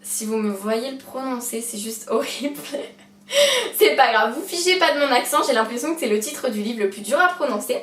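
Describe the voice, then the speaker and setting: A woman's voice: sits high, sing-song, normal speed, fairly bright tone. A young woman chatting to camera about her bookshelf, hesitant and self-mocking, full of fillers. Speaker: book vlogger. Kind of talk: casual chat to camera. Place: room at home beside her bookshelf. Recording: roomy echo, distant mic, faint hiss.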